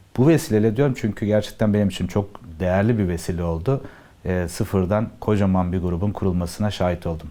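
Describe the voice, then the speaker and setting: A man speaks fairly quickly in a fairly low pitch, his tone dark and mellow and his pitch variation ordinary. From Turkey, rural village then small town. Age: 50s. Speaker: leadership trainer, former corporate manager. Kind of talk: online course lecture. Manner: hesitant fillers.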